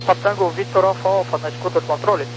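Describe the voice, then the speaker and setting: Through a crackly military-style radio with clear hum comes a Brazilian man, an air traffic controller. He rattles off clipped procedural instructions very quickly in a slightly high voice. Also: fairly even intonation. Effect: aviation radio transmission.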